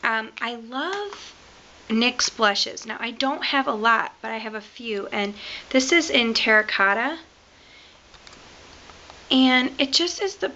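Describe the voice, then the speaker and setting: Slightly raspy, bright-voiced woman vlogger. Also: fairly high pitch, expressive, takes it slowly, long pauses, lo-fi sound. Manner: chatty, lots of "um" and "like", enthusiastic. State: slightly raspy from being sick. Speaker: beauty vlogger. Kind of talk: casual product review.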